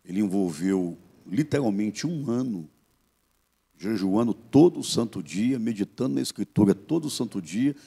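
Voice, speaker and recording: A middle-aged Brazilian man, a pastor, gives his testimony in a low, slightly husky voice. He speaks in an earnest, measured way, like a man used to preaching. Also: expressive, warm tone. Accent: Brazilian Portuguese. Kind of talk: gospel TV interview testimony.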